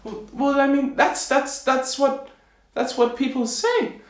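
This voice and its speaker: A simple, meek little tailor out of a storybook, as a male narrator puts him on. He sounds high and flustered, hesitating and rambling. The recording has room echo. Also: animated, unhurried. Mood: confused.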